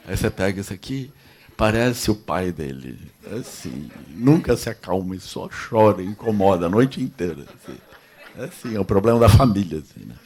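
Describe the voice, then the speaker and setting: A man with a Brazilian Portuguese accent giving a relaxed, joking Buddhist talk to an audience, often repeating little tag phrases. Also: sits low. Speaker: Buddhist teacher. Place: lecture at a meditation center.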